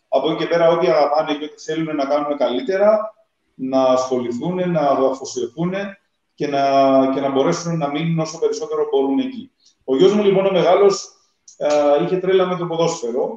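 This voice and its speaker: Dark and mellow in tone, a man's fairly high voice moves at a moderate pace with ordinary pitch variation. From Greece, Athens. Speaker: basketball club general manager, former player. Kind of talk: interview.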